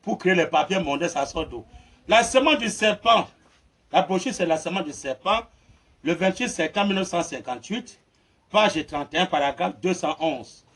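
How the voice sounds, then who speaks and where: Man, preacher, very high voice, raspy, mocking, laughing sermon. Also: expressive, normal speed. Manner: laughs through his words, shouting amens.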